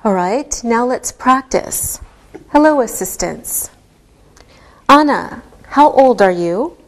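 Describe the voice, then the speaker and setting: Woman English teacher, patient and deliberate, speaking at an extremely slow pace. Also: a little high, expressive, rough recording. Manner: patient, deliberate, spells things out step by step. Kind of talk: slow, clearly enunciated classroom teaching.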